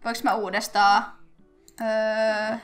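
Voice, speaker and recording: A young woman with a somewhat high voice chats loosely through her gameplay. She giggles often and speaks straight to the characters on screen. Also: level tone. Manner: chatty, giggly, talks to her game characters. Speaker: gaming YouTuber. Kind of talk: casual Let's Play commentary.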